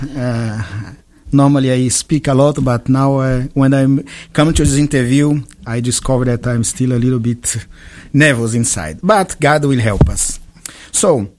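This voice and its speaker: A man, a Catholic priest from Brazil with a Brazilian accent, telling his life story in an interview with many pauses and joking asides. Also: mid-range voice, darkish tone. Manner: chatty, joking, frequent hesitations.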